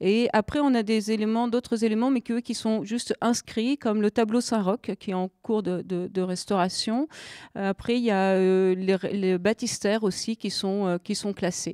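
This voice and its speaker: Fairly high-pitched woman with a dark, mellow tone, fairly slow and with fairly even intonation, in a dry sound with no echo against a quiet background. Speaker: mayor. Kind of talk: live radio interview. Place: hall. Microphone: handheld.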